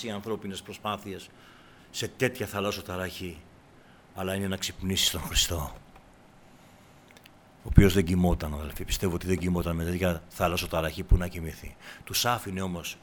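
A man preaching a sermon to his congregation, breaking into loud cries and then dropping back to a low, quiet voice. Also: fairly even intonation, a little hiss or hum. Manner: shouts in bursts, then drops to a low, quiet tone; addresses the congregation as brothers.

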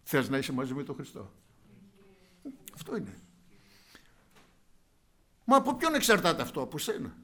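A man preaching a fervent sermon, speaking directly to his listeners as brothers and swinging between quiet asides and loud outbursts. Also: a little high, huge pitch swings, pauses often.

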